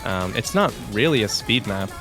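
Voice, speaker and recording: A man doing play-by-play commentary on a game tournament, relaxed and calling plays in short bursts. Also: lowish voice, normal speed. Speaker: esports commentator. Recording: game music playing underneath.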